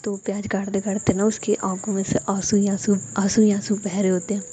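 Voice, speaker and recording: A young woman narrating a story casually in a soft, hushed, half-whispered way. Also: mid-range voice, level tone, fairly quick, slight background noise.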